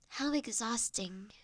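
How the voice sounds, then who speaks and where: A woman performs a courteous, gentle lady in an intimate audio drama. Her voice sits high and she takes her time, with formal phrasing and soft, hesitant pauses. The sound is dry, with no room around it. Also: no echo. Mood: admiring, soft. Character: polite, gentle human woman seeking to adopt an automaton. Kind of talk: scripted audio roleplay, intimate and conversational.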